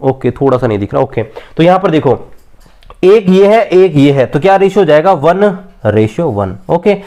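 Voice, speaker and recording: A man's voice: a little high, animated, normal speed, dark tone. A man teaching an exam-prep biology lesson at a board, quizzing students and answering his own questions, stretching key terms word by word.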